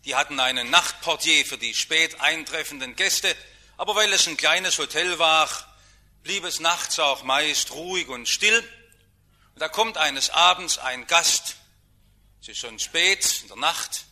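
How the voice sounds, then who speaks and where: Man preaching, emphatic sermon, rather high voice, very bright sharp tone. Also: measured pace. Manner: emphatic, dramatic swings in loudness.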